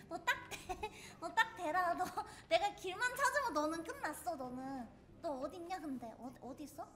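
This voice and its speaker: A woman streamer giving live gameplay commentary, excitably and playfully shouting threats at the game, with game music behind her. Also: very high voice. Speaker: VTuber streamer.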